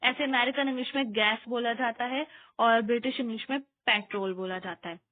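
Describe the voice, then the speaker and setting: A fairly high-voiced woman with an Indian accent talks through exam notes like a tutor. She reads English lines slowly, then explains them in a loose, hesitant way. Her voice comes through a thin, phone-like recording. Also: dry recording. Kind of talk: study lesson, reading English text and explaining in Hindi. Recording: tinny phone-quality audio.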